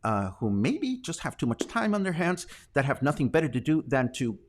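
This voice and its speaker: A man's voice: fairly high pitch, huge pitch swings, moderate pace, slight background noise. A man from Mexico hosting a daily live news stream, talking earnestly and defensively, with fillers and restarts.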